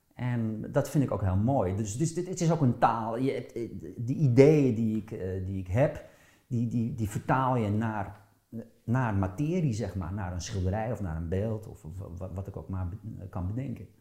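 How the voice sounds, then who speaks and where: Speaking at a fairly slow pace, a man with a medium-pitched, somewhat breathy voice and a dark, mellow tone uses lively intonation. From Netherlands, Zaandam. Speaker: artist. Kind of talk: interview. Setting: studio. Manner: halting, many repeats.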